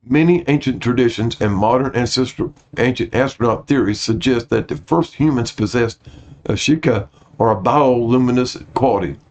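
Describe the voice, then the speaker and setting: Speaking at a moderate pace in a medium-pitched, darkish voice, a host reads out notes to his audience in a casual way. He trips on certain words, fixes them, and sounds sorry about how he pronounces things, all captured in dull lo-fi audio.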